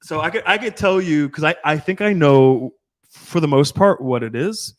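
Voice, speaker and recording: A man's voice: a little high, normal speed, no echo. A man in his thirties, a dating coach, talking casually and at length on a podcast, swearing often and restarting his sentences. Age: 30s. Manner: rambling, profane, restarts often.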